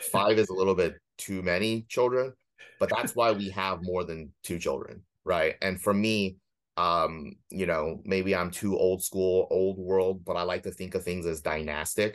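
Over a quiet background, a man with an American accent speaks at a fairly slow pace, his very deep, low pitch carrying fairly even intonation. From China, raised in US small town from age six. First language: Chinese. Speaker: real estate lender and investor. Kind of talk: podcast interview.

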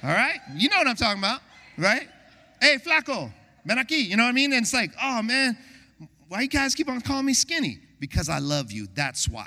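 An animated man with an American accent, in a raised, projected voice at an extremely high pitch, with very wide pitch swings and a fairly quick pace. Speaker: guest preacher. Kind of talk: sermon. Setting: church.

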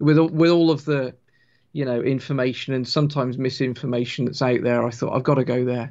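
Speaking very fast, a man has a Wiltshire accent. His medium pitch holds a fairly even intonation. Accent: gentle Wiltshire twang. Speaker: rail engineer and author. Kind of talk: casual chat. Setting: video call, livestream.

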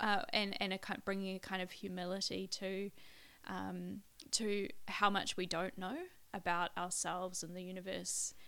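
A woman with a New Zealand accent, medium pitch and a bright, sharp tone, monotone and flat at a moderate pace, in a very clean recording with a silent background. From New Zealand, Waikato. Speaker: writer. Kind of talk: casual chat. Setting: in person, at a table. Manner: halting.

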